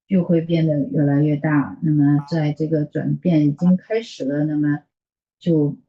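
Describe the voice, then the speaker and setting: A woman who is a native Mandarin speaker, interpreting informally and a bit haltingly as she searches for words. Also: low voice, dark tone, echoey room, muffled recording. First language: Mandarin Chinese. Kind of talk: consecutive interpreting in informal talk.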